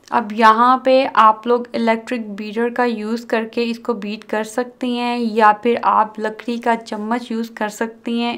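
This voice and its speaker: A woman host narrating a cooking video, calmly explaining each step and mixing in English words. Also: on the high side. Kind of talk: recipe voice-over narration.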